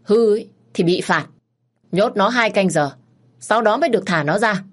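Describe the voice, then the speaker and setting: A woman's voice: mid-range voice, lively intonation, moderate pace, voice pushed up, close to an everyday voice. A woman doing a stern scolding landlord husband. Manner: scolding, commanding. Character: stern, harsh older landowner husband.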